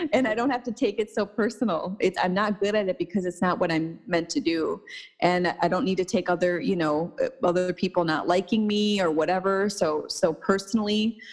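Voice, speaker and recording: A woman with an American accent and a normal speaking voice, at medium pitch and a fairly quick pace, with ordinary pitch variation and very even loudness. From Minnesota, St. Paul. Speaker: life coach. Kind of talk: casual interview.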